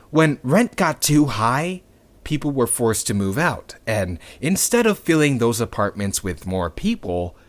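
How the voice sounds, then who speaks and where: An actor playing a nervous, sardonic underground rebel in an audio drama, talking casually with swearing and a wry storytelling manner. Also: male voice, medium pitch. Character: nervous, sardonic young underground rebel man recording testimony.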